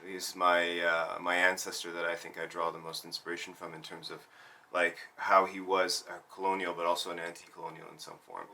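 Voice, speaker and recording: A Zambian-born man speaks in a documentary interview about his life as a burlesque performer. His voice sits low but has a sharp, forceful edge. He is reflective and searching, restarts many of his sentences, and is heard from some distance from the mic. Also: little pitch movement, fairly quick.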